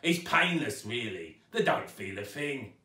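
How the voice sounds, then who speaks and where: A man's voice: medium pitch, very animated, measured pace, sharp tone. Man doing a sneering, oily rat-catcher villain. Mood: creepily polite. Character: sinister, grubby rat catcher, creepily polite villain. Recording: roomy echo, distant microphone.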